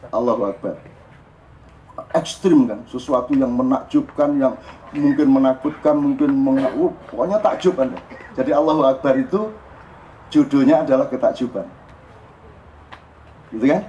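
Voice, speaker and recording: A man with an East Javanese accent gives a playful spiritual talk to a crowd, slipping into Javanese as he jokes. His voice sits a little high. The live recording is dull and lo-fi, with a faint hiss behind him. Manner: animated and joking, slipping into Javanese. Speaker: religious speaker. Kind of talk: casual spiritual talk to a gathering.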